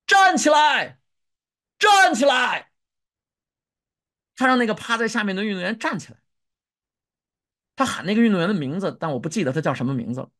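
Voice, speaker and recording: A pastor preaching a sermon, telling a story with animated delivery and acting out shouted cries. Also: medium pitch.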